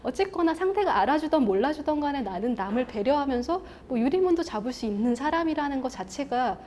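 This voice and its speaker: A woman columnist giving a televised lecture, chatty and animated, acting out inner thoughts and often laughing as she talks. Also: high-pitched, quick pace, a little hiss or hum. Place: lecture stage before an audience.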